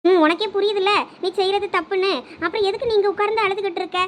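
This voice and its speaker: A woman's voice: very high-pitched, fairly even intonation, fast, a little hiss or hum. A woman playing a caring but bossy younger sister who scolds and coaxes, in a village drama skit. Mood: scolding. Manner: scolding, coaxing.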